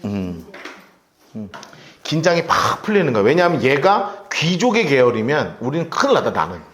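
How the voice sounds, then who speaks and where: Animated man teaching a Bible class. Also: medium pitch, normal speed, echoey room, a little hiss or hum. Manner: animated storytelling with vivid asides. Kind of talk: Bible study lecture. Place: church room.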